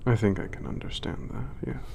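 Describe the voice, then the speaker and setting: A man voicing an ancient, gentle male giant who speaks calmly and formally. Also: mid-range voice, brisk, vocal fry, a little hiss or hum, lightly acted. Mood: kind. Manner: calm, formal, soft-spoken. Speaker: letter-writing narrator. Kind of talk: ASMR audio drama.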